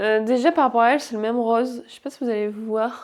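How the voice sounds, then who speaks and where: This woman's fairly high voice holds a fairly even intonation as she talks at a moderate speed. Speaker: vlogger. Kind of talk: casual vlog chat.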